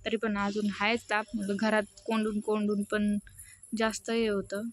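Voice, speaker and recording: A woman's voice: medium pitch, monotone, unhurried, faint music behind. A woman chatting casually in a family vlog, coaxing her small children. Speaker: vlogger mother.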